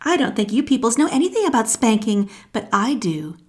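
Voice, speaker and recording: A woman's voice: fairly high pitch, very animated, brisk. A woman voicing a polite, eager and cheeky young elephant in a children's story, with an earnest childlike manner. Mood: cheeky, proud.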